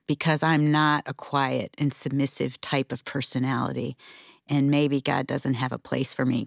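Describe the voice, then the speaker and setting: A middle-aged woman co-hosting a conversation, talking candidly and quick to laugh. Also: sits low, gravelly, no room sound, clean studio sound. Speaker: podcast co-host. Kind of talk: casual conversation about faith and marriage.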